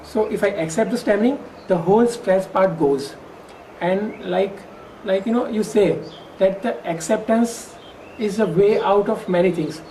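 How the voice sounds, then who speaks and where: A woman with an Indian English accent speaks in a mellow, darker tone at a middling pitch. She explains things in a measured, earnest way, with now and then a stammered restart. A faint hum of the room sits behind her. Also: poor audio. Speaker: workshop participant who stammers. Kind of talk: exit interview, explaining in earnest.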